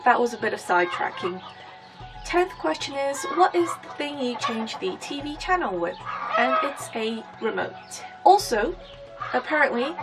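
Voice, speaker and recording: High-voiced woman with mixed British-American-Bulgarian accent. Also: low-quality recording. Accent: blend of British, American and Bulgarian. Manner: playful, self-deprecating asides. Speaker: vlogger. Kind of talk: casual chatty vlog.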